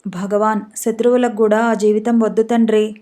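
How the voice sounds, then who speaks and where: A woman's voice: fairly high pitch, flat delivery, normal speed, mellow, close to an everyday voice. A woman reading the part of a troubled young woman praying earnestly for strength, in an audiobook story. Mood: prayerful.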